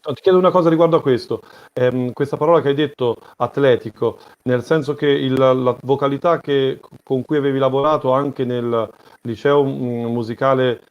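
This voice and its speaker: A man's voice: mid-range voice, steady tone, moderate pace. A man moderating an unscripted interview, feeling his way through long questions with restarts and rephrasing. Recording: slightly dull lo-fi audio.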